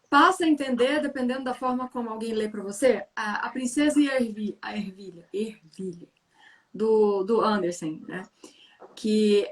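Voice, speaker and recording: A Brazilian woman hosting a casual chat, telling stories animatedly. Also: fairly high pitch. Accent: Brazilian Portuguese. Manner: animated storyteller, frequent tag questions. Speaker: host.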